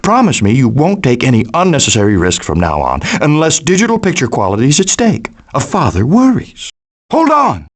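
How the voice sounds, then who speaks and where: A man's voice: mid-range voice, wildly swooping pitch, normal speed. A man voicing a melodramatic, doting father possum in a cartoon video game, with a pompous, theatrical, declamatory manner. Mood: anxious, mournful, then urgent, excited. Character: melodramatic, hammy male possum, doting middle-aged father. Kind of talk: animated video game voice acting.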